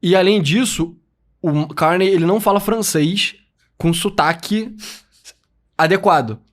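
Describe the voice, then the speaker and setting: A man's voice: high voice, measured pace. A man co-hosting a podcast, explaining political news in a loose, joking manner. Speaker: podcast co-host. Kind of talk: casual political chat.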